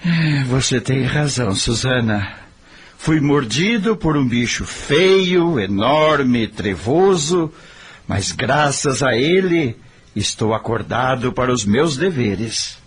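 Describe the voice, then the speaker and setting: Solemn Brazilian father, expressive delivery. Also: mid-range voice, slow pace, husky. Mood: reflective. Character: repentant, earnest father and husband in middle age. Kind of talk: radio drama acting.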